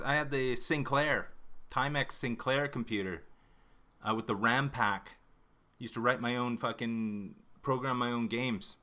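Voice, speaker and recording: A man's voice: medium pitch, sharp tone. A fifty-year-old man from Canada chatting casually with his stream viewers, rambling, cutting himself off and swearing constantly. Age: 50s. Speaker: livestream host.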